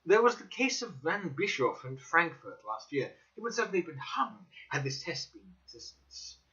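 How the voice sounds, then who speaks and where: Eccentric male sleuth as a man reads him: bright, keen, theatrical, swinging emphasis, audiobook drama. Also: on the high side, big pitch swings, normal speed, voice pushed up. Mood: excited, triumphant. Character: eager, excitable, eccentric young male scientist-detective. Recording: dull, slightly lo-fi recording.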